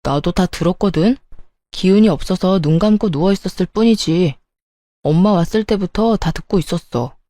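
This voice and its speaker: A bossy, irritable husband from a family drama story acted by a female narrator, accusing and demanding. The voice has a dark, mellow tone and sits in a very dry recording. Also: on the low side, moderate pace, dry recording, lightly acted. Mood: stern, accusing. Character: angry, bossy adult husband siding with his mother.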